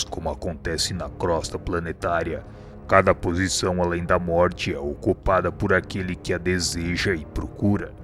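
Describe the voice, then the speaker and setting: A man's voice: deep voice, natural voice. A man playing a wise, patient spirit mentor in a radio drama, explaining in a formal, solemn, didactic way. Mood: firm explaining.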